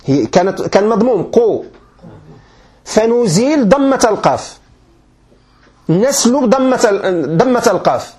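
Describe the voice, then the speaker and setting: Male teacher, Moroccan accent, high pitch; patient classroom lecturer who quizzes students often. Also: very animated, unhurried, pauses often, warm tone. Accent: Moroccan Arabic. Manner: quizzing listeners with frequent check questions; patient, repeats and restarts points. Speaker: sheikh teaching grammar.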